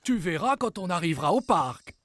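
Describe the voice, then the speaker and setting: A man's voice: sits high, sing-song, moderate pace, fairly bright tone, dry recording, heavily acted. A man voicing a playful, kindly old grandfather in a dubbed children's cartoon. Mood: playful, teasing.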